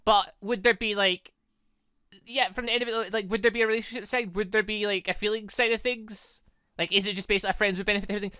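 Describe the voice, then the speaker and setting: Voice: mid-range voice, fairly even intonation, fast, sharp tone, clean tone, no echo, studio quality. A chatty gaming video creator rambling casually through a visual novel let's play, often getting side-tracked.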